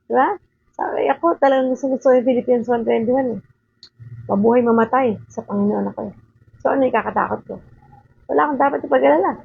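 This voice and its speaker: A woman's voice: on the high side, quick pace, vocal fry, pauses often, slightly rough. An older woman at home giving an informal daily devotional talk, earnest and conversational, often checking in with a rhetorical question. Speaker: devotional speaker. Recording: narrow phone-like sound, dry.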